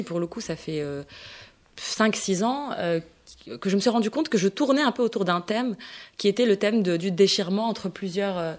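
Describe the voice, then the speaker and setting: A woman in her thirties from Morocco, a novelist answering radio interview questions with many fillers and restarts. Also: mid-range voice. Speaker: novelist guest.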